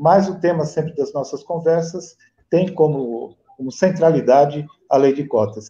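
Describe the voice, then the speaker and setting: A man speaks at a fairly slow pace, his pitch fairly high with ordinary variation. His tone is dark and mellow. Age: 60s. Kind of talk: online interview. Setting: live video stream. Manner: halting, many fillers.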